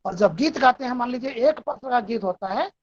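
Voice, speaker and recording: A woman's voice: on the high side, animated, brisk, highs cut off. A woman lecturer giving a methodical, explanatory talk in a recorded online class.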